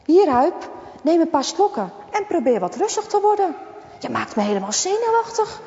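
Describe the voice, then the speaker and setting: A woman's voice: very high-pitched, sing-song, normal speed, voice pushed up, heavily acted. A woman voicing a caring mother who is worried about her son. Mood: concerned. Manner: warm, concerned. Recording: dull, echoey recording.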